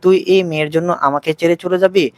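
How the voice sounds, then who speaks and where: A man's voice: fairly high pitch, fairly even intonation, fast talker, a little mellow, smooth, no room sound, natural voice. A man doing a tearful, scheming mother. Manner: wailing, pleading.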